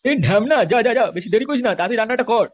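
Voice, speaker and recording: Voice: mid-range voice, lively intonation, very fast, lo-fi sound, background noise, lightly acted. A performer voicing a boastful, short-tempered poor husband in a comedy cartoon, foul-mouthed and insulting, with a West Bengal accent. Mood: exasperated. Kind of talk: amateur comedy cartoon dialogue.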